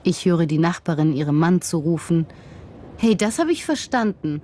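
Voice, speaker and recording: A woman narrating a personal documentary in a calm, measured, reflective first-person voice. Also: on the low side. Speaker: journalist and narrator.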